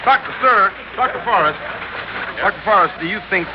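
A pumped-up radio reporter, voice jumping all over, muffled old recording with loud hiss. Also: male voice, high voice, a little fast. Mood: urgent. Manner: urgent, animated announcing. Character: excitable male radio reporter on scene. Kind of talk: 1960s radio drama acting.

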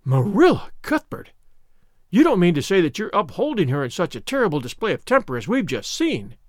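A man's voice: sits high, big pitch swings, normal speed, dry recording, clean studio sound. A man voicing a blunt, haughty, easily offended busybody lady in a storybook, with an emphatic and pompous delivery. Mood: indignant. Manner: emphatic, gloomy, solemn, pompous.

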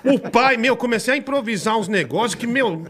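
This is a Brazilian man in his thirties telling a story in casual chat. His voice sits high and sounds bright and forward. He swears easily and acts out the lines of the people in his story. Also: animated, fairly quick, slightly rough.

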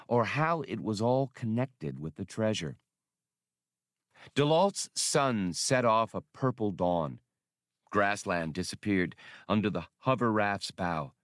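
A man with a fairly low voice narrates an adventure novel as an audiobook reader. The recording is dry and close, with very little room around the voice. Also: fairly bright tone, no room sound.

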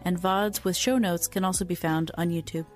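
A woman reading a scripted show introduction in an even, formal way. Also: lowish voice, moderate pace, soft background music. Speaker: show announcer.

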